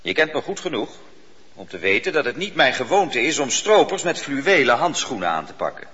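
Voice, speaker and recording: An actor playing a cold, ambitious judge who questions a poacher in a commanding, probing manner. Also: male voice, medium pitch, big pitch swings, a little fast, sharp tone. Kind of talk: radio drama acting. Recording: dull old radio recording with long reverb.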